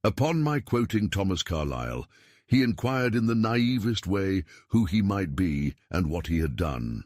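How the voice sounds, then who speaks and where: A man reading a literary story as narrator, in a measured, formal storytelling manner. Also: deep voice, big pitch swings, a little mellow, no room sound, clean studio sound. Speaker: audiobook narrator.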